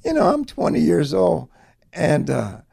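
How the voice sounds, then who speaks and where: Gravelly storyteller man. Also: a little high, unhurried. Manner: folksy, animated storytelling with acted-out quotes. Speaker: songwriter guest. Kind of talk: storytelling interview.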